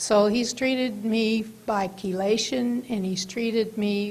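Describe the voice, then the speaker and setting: Somewhat breathy, a woman speaks at a fairly slow pace in a fairly high pitch with a monotone, flat intonation. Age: 60s. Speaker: patient giving testimonial. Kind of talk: testimony.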